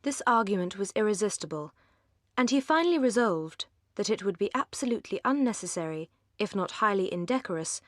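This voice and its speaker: A woman's voice: medium pitch, no room sound, clean studio sound. Poised English woman narrating an audiobook. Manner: poised, measured. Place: studio.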